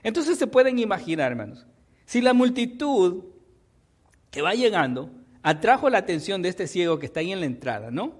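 A man preaching a lively sermon. His high voice rises and falls a great deal, and he keeps drawing in the congregation with questions and jokes. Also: normal speed, husky.

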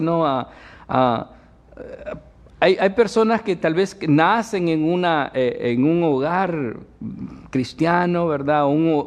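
A man's voice: on the high side, darkish tone. A man giving a conversational sermon as pastor, often checking in with his listeners. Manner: conversational preaching with frequent tag questions.

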